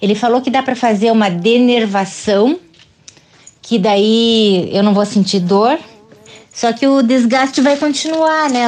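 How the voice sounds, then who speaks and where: A woman's fairly high voice at a fairly slow pace, with ordinary pitch variation and noticeable background noise. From Curitiba, southern Brazil. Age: 60s. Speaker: person with Parkinson's, group member. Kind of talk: casual group chat. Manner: halting, repetitive.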